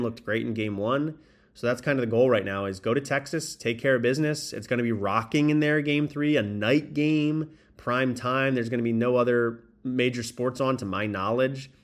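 A man hosting a sports podcast solo, casually rambling as he thinks aloud, recorded on a makeshift mic in an echoey spot. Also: medium pitch. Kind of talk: solo baseball commentary, casual. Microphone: makeshift mic, not the proper one. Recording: echoey room, improper microphone.

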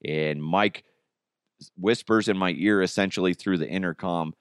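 A man's voice: sits low, normal speed, smooth, no echo, clean studio sound. A man hosting a podcast in casual, rambling talk, his voice a little strained. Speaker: podcast and radio host.

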